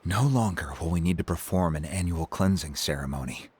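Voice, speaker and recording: A man voicing a calm, thoughtful tribal chief who explains events in a game cutscene. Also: low-pitched, fairly quick, breathy edge. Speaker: tribe chief.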